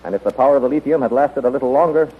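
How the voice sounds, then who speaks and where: An actor as a fast-talking bold radio rebel. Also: male voice, mid-range voice, slightly rough, close to an everyday voice. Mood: defiant. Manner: bold, formal, declamatory. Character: defiant male rebel posing as royal servant. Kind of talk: 1930s radio serial acting. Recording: tinny, noisy 1930s radio recording.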